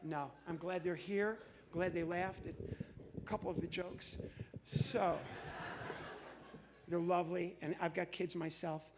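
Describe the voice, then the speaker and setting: A middle-aged American man performs as a stand-up comedian with a high-pitched voice. He chats to the audience in a halting way, breaking into his own sentences. The live stage recording carries noticeable noise. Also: fairly even intonation. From Midwestern United States. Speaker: comedian and entertainer. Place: on stage in a large church hall.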